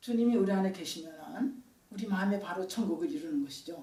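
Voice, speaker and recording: With a high pitch and ordinary pitch variation, a man speaks at a moderate pace. Audible room echo surrounds him. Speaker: pastor. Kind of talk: sermon. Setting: church. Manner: frequent fillers, slightly halting.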